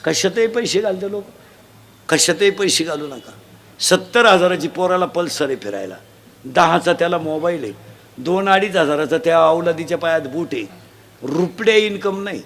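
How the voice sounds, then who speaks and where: High, bright-voiced man preaching a comic sermon. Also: expressive, normal speed. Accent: Marathi. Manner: shouts questions for children to answer back. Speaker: kirtan preacher. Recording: live event, faint crowd and noise.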